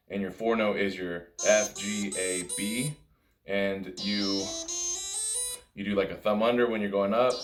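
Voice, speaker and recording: A man with a very deep speaking voice gives an informal lesson. He explains things step by step in plain, conversational language. The sound is noticeably roomy, with echo around his words. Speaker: music teacher and video host. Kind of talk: informal instructional talk. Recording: roomy, echoey room sound.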